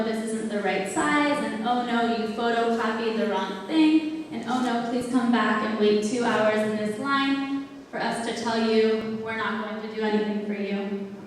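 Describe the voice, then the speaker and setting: A young woman from the United States giving a public talk, hesitant with many pauses and restarts, recorded far off in a lecture hall. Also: on the high side, slight background noise. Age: young adult. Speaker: exchange student speaker. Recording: echoey hall, mic far off.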